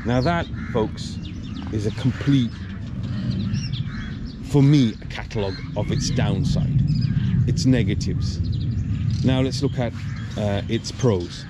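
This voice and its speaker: A man with a lowish voice reviews his motorcycle out of doors in a casual, rambling way. He stops and restarts often and fills his pauses with ums. Loud outdoor noise runs under the recording. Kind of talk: casual spoken review to camera.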